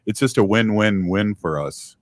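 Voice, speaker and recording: Male talk radio host, easygoing, low voice, dry close-miked studio sound. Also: normal speed, no room sound. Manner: easygoing, warm thanks, brief affirmations. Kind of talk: radio talk show hosting.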